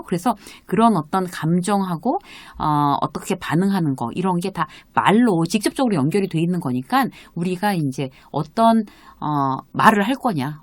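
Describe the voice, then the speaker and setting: Lively middle-aged Korean woman host. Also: fairly low pitch, no room sound. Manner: animated, acts out quoted remarks. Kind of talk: conversational self-help talk.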